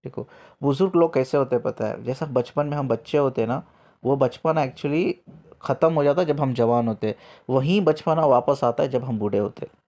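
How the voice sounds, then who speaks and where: In a mid-range voice at a slightly fast clip, a man working as a spiritual coach tells a story with energy. He drops in English words and repeats himself to drive points home.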